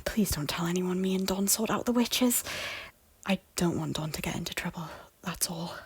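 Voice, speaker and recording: A woman playing an anguished, guilt-ridden noblewoman in an audio drama, with a breathy, often hushed voice and a halting, emotional delivery. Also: on the low side, dry recording. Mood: hushed regret. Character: anguished, guilt-ridden noblewoman, Macbeth's wife, fragile but defiant.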